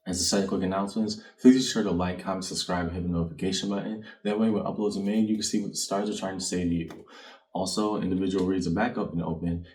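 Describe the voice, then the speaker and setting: Male tarot reader, low-pitched, reflective and conversational, addressing the viewer; distant, echoing room mic. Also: a little mellow. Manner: reflective, speaks directly to the viewer. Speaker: tarot card reader and channel host. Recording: roomy, distant mic with background noise.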